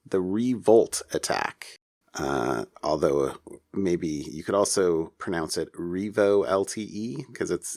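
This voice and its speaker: A man co-hosting a casual tech news discussion, talking in a halting way as he thinks aloud. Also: low voice, dry recording, studio quality. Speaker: podcast co-host.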